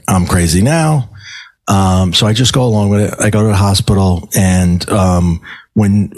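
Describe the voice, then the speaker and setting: A middle-aged man speaks as a podcast guest, recounting a personal experience in a halting flow that doubles back on words and restarts sentences. His voice sits low and sounds a little husky. The recording is dry and close, with no room sound around him. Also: darkish tone, no room sound. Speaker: podcast guest, medium and life coach. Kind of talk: telling a personal story in conversation.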